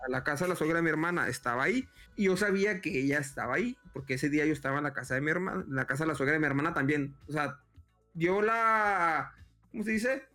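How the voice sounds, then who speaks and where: A man's voice: on the high side, quick pace, soft background music. Slangy man chatting. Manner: relaxed, slangy, fills with "güey". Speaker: podcast co-host. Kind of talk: casual storytelling.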